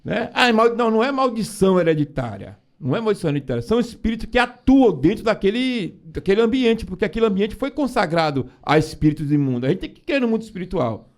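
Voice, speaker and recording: A man's voice: sits high, big pitch swings, quick pace, hardly any pauses. A man on a podcast speaking emphatically about faith, often addressing listeners directly. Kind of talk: casual preaching talk.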